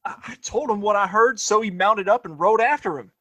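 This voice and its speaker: Guy doing high pitched cowboy sidekick, bumbling, eager to please, hesitant. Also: brisk, fairly bright tone. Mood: eager, flustered. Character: eager, bumbling, deferential Old West lawman's henchman. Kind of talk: audio play acting.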